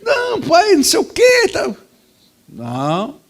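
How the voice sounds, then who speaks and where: A man's voice: extremely high pitch, huge pitch swings, slow, pitched above the performer's own voice, full character voice. A man voicing a frightened seven-year-old boy, pleading and tearful.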